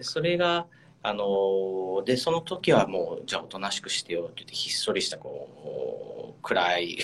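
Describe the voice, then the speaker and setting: Noticeable background noise fills the clip. Through it, a man can be heard talking. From Japan, Kanagawa (some childhood years in UK). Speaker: nonprofit director, educator. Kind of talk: interview. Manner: hesitant with many fillers.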